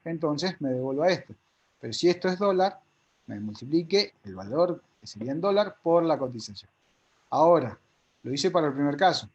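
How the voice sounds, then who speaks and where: A man's voice: a little high, darkish tone, husky. A man teaching a live spreadsheet class step by step, with an Argentine Spanish accent, often checking whether his students follow.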